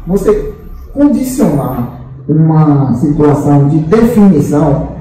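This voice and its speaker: Far off in a large, very echoey meeting hall, a man's voice reaches a distant room microphone. He's a spiritual guide giving a chatty, teasing talk to a group, full of tag questions and fillers. His voice is fairly high, sing-song and warm, and he speaks slowly.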